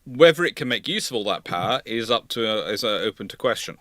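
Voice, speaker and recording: Bright, forceful low-voiced man explaining warships. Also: animated, fast, no echo, clean studio sound. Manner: hesitant self-correcting, emphatic repetition. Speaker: host. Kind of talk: unscripted expert commentary on naval ships.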